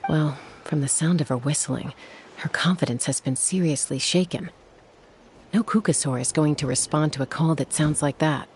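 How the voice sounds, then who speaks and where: Woman as a composed, low-voiced tribal warrior. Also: a little mellow, a little hiss or hum, natural voice. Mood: concerned, frank. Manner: measured, matter-of-fact explaining. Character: composed adult female tribal warrior, protective and frank. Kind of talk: video game dialogue acting.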